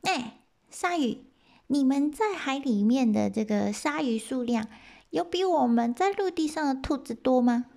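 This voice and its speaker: A woman voicing a small hurt male hare, a sly pleader with a high sing-song whine. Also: expressive, a little slow, vocal fry, mellow, full character voice. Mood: coaxing, sly.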